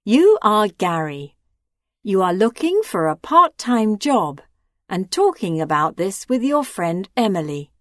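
Female narrator for a listening test: slow, measured delivery with a varied pitch, dry studio sound. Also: very animated, dry recording. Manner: measured, clear reading. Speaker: exam narrator. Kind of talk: scripted listening-test instructions.

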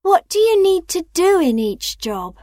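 A woman playing a high-voiced helpful friend. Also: big pitch swings, measured pace, dark tone, no room sound, clean studio sound, full character voice. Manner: clearly enunciated, questioning. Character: young woman, a supportive friend. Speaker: friend character in a listening test. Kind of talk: scripted exam dialogue.

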